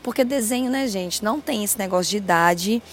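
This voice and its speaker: A Brazilian woman hosting a podcast in a casual, chatty way, with a grating, cracked voice and a loud, exuberant, slangy manner. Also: mid-range voice, fairly quick. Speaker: podcast host.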